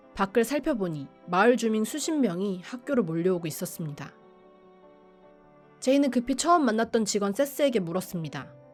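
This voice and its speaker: Music plays in the background as a woman speaks at a moderate pace. Her fairly high voice swings very widely in pitch. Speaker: book YouTuber. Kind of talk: book plot summary narration, audiobook-style.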